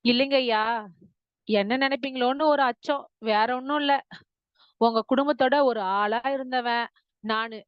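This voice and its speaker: A woman's voice: high-pitched, steady tone, unhurried, pauses often, clean tone, dry recording, dull audio. A woman voicing a poor old male carpenter who pleads through tears. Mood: pleading.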